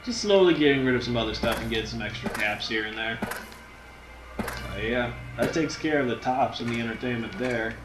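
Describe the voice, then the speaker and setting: A man's voice: mid-range voice, brisk. Rambling man narrating a game. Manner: rambling, laughing musings while playing. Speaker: gaming channel host. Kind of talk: casual let's-play commentary. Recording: roomy, with game music behind.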